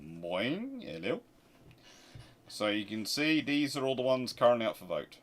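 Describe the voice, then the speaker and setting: A man's voice: mid-range voice, sing-song, unhurried. A man hosting a casual live question-and-answer talk, speaking emphatically and arguing through rhetorical questions. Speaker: host of a naval history channel.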